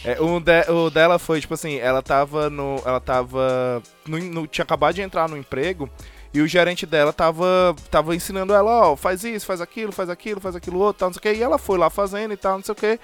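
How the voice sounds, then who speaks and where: A woman, hosting a casual chat and telling lively, slangy stories. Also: fairly low pitch, fast talker, soft background music.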